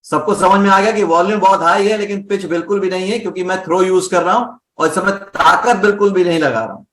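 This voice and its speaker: Male voice teacher, quick and slightly high, explains with simple examples. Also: a bit bright. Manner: explains with everyday examples and checks understanding. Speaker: voice coach. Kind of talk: live online class.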